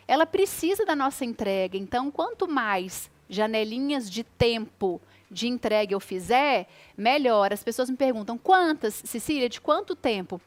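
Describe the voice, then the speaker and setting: Higher-voiced woman giving parenting advice. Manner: explanatory, acts out gentle talk to children. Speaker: child development guest expert. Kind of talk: radio talk show advice.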